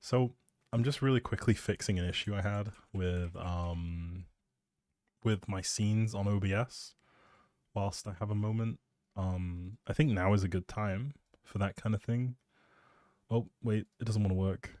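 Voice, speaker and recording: Low-voiced man rambling slowly on stream. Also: fairly even intonation, a little mellow, no room sound, studio quality. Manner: self-deprecating, playful. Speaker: live streamer. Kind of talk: casual rambling stream chat.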